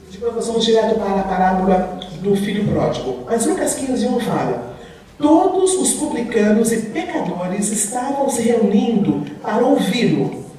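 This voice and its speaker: A woman giving an earnest testimony sermon in a church, speaking with emphasis and addressing the congregation warmly. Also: on the high side. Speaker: speaker at a church recovery program. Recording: very echoey hall, from far off.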